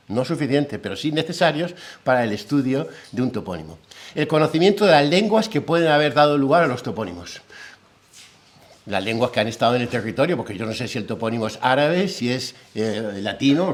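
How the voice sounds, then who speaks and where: Lecturing man with a Peninsular Spanish accent. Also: mid-range voice. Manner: explanatory, with frequent rhetorical "¿eh?" and "¿no?" checks; lively, with a humorous anecdote. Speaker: philologist giving a lecture. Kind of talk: academic lecture.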